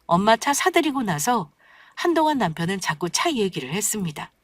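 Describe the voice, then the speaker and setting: A woman's voice: medium pitch, sing-song, a little fast, no echo. Woman narrating a wry story.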